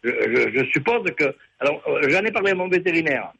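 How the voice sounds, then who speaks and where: A man's voice: on the high side, big pitch swings, brisk, creaky, pushed and bright, breathy edge, lo-fi sound. A man from the Ardèche with a southern French accent, an older caller telling a rambling, hesitant story on a radio phone-in. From Ardèche, southern France. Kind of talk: phone-in chat.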